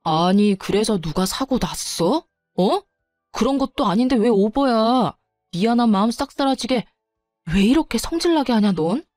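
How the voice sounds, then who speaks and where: A woman's voice: on the high side, lively intonation, darkish tone, no room sound, studio quality, soft background music, lightly acted. A woman voicing a defensive, irritated young man who answers back sulkily and blames his partner. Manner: sulky, blaming, slows down when annoyed.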